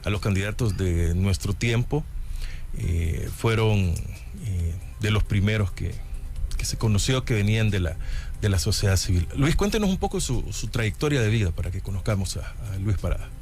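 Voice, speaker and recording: Low-voiced radio host. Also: male voice, expressive, moderate pace, darkish tone, faint music behind. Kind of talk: radio interview. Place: radio studio booth.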